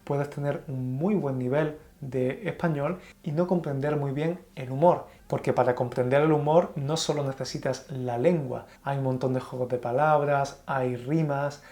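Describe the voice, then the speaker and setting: An Andalusian man teaching Spanish to learners online, with an Andalusian accent. His delivery is calm and clear, explaining things step by step at an ordinary pitch for a man. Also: normal speed, few pauses. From Andalusia, Spain. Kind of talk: scripted online Spanish lesson.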